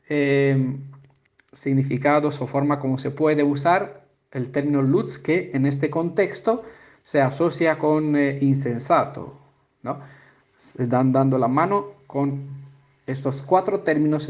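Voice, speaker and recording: A man who speaks Spanish as a second language, explaining word meanings as a Bible teacher, pausing often with fillers and checking in with the listener. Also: fairly high pitch, a little mellow. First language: not Spanish. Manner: halting, many filler "eh" sounds and restarts, asks "¿no?" and "¿vale?".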